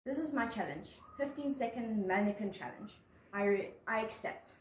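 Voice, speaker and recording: A woman's voice: a little high, animated, normal speed, roomy sound, a crowd in the background. A woman on a church crew taking part in a casual challenge, plain and a little shy.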